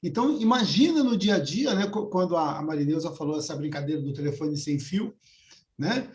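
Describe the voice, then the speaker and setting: A high-pitched man with a lively, up-and-down voice, talking in a casual group discussion. He stumbles and restarts often and keeps checking in with tag questions. The sound is echoey, as if in a bare room. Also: a little fast, slight background noise. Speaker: study group participant.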